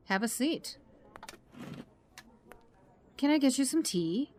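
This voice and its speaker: An actress playing a friendly, expressive woman doctor in an audio drama. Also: sits high, slow, slight background noise. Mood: welcoming. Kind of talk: full-cast audio drama acting.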